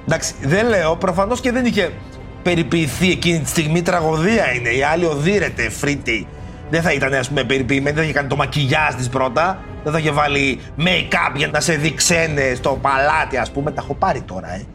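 A man's voice: on the high side, fairly bright tone, faint music behind. A man hosting a podcast about ancient tragedy, telling the stories in a casual way with slangy, mock-indignant asides. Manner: reads verse quotes in theatrical voices. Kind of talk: casual storytelling lesson.

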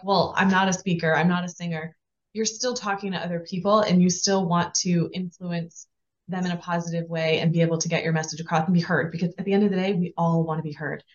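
A woman's voice: lowish voice, a little fast, muffled recording. Affirming woman podcast host. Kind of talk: conversational interview.

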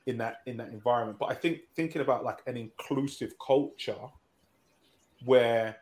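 Male podcast host, measured and reflective, asks himself questions, middle-pitched voice, recorded in a roomy space. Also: steady tone, a little mellow. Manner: measured, thinks aloud with rhetorical questions. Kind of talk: conversational business talk. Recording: echoey room.

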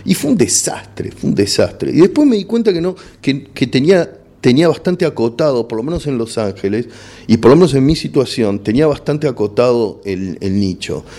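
A middle-aged Argentine stand-up comedian chats frankly in a casual interview, speaking Argentine Spanish in a mellow, sing-song, mid-range voice at normal speed. He often restarts words while searching for them.

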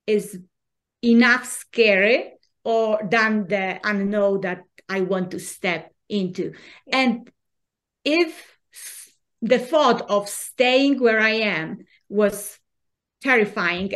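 A woman from Poland with a Polish accent, telling her story as an interview guest in an earnest, emphatic way with many restarts. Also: medium pitch. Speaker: guest, leadership coach. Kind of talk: conversational interview.

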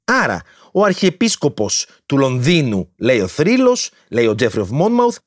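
A man's voice: mid-range voice, wildly swooping pitch, dry recording, clean studio sound. A man hosting a history video, explaining legends in a playful, slangy way full of jokey asides.

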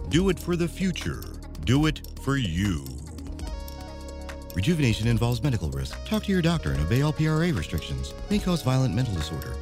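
Slick sci-fi ad spokesman, hugely varied pitch, commercial voice-over, loud music bed. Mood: rapid disclaimer. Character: slick futuristic rejuvenation ad spokesman.

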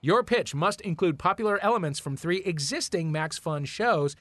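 A man hosting a comedy game show with big, showy announcements. His voice sits a bit high and swings lively up and down, and the sound is close and dry. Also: normal speed, no echo. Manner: playful, theatrical announcing. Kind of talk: comic live podcast game show.

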